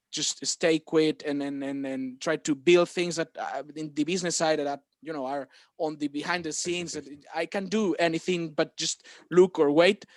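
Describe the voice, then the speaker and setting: A man from Galicia, talking in a casual podcast chat, excited and halting, with many restarts. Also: fairly high pitch, no room sound, clean studio sound.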